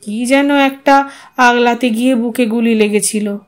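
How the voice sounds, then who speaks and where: A woman's voice: a little high, steady tone, measured pace, close to an everyday voice. A woman voicing a dazed, bereaved village father in an audiostory, speaking in a subdued, detached manner. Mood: flat, proud.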